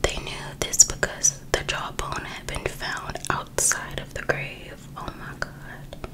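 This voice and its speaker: American female ASMR host, fully whispered, unhurried true crime book reading with informal asides. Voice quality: breathy, unvoiced whisper.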